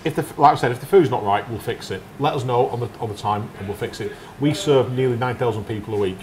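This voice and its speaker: A man's voice: mid-range voice, fast talker, a little mellow, slight background noise. A man, a restaurant owner answering bluntly and matter-of-factly. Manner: blunt, firm, matter-of-fact. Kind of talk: casual interview. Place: restaurant dining room. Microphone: lapel mic.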